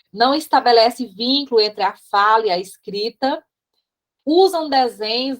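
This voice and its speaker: A Brazilian woman teacher explaining slides in a recorded class, chatty, with frequent tag questions and asides as she points things out. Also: on the high side. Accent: Brazilian Portuguese.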